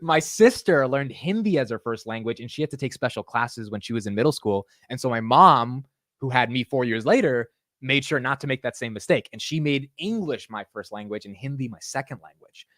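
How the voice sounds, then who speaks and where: This livestream host, a young man, chats with his viewers in a lively, joking way and often makes fun of himself. He has a medium-pitched voice and talks fairly fast. The audio is studio quality with no echo.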